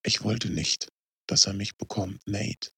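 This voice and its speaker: A man reading as a fading young man near death, speaking in a hushed, breathy murmur. The voice is low and husky, and the recording sounds close and dry. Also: completely flat delivery, unhurried, no room sound, full character voice. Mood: fading, resigned. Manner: quiet, hushed speech.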